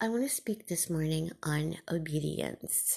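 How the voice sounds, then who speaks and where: On a very clean recording with a silent background, a woman speaks at a fairly slow pace. Her tone is warm. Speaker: preacher podcaster. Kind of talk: podcast monologue, religious talk. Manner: informal, warm.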